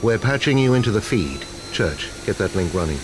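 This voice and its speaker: An actor playing a serious military officer who gives a clipped, businesslike briefing in a game cutscene. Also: male voice, fairly low pitch, sing-song, fairly quick, noisy background. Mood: urgent, serious. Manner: clipped, matter-of-fact briefing. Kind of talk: scripted game cutscene dialogue.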